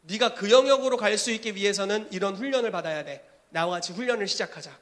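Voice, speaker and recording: A patient male Bible teacher explains calmly, with a high, bright voice, as a preacher acts him out. His tone is instructive and plain. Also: quick pace.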